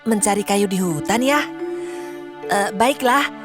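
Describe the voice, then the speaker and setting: A woman voicing a clever, brave young boy in a cartoon, lively and reassuring. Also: medium pitch, unhurried, over music, lightly acted. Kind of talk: cartoon voice acting.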